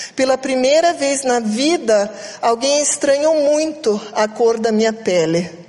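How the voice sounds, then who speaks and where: A woman speaks at a very slow pace with lively intonation. Noticeable background noise sits behind her. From Brazil, Curitiba. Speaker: missionary, pastor's wife. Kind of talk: church testimony. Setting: church.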